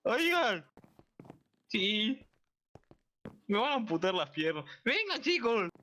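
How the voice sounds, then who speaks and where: A person improvising a game roleplay with friends in an excitable, theatrical way over online voice chat. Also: mid-range voice, takes it slowly. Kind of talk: improvised Minecraft roleplay chatter. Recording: dull, slightly noisy gaming mic.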